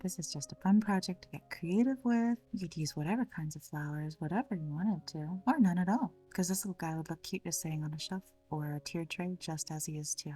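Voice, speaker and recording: A woman with a slightly scratchy voice from a cold, gently narrating a step-by-step craft tutorial in a chatty way. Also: on the low side, fairly quick, hardly any pauses, far from the mic, over music. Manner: gentle, chatty, fond of the word little. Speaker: craft channel host.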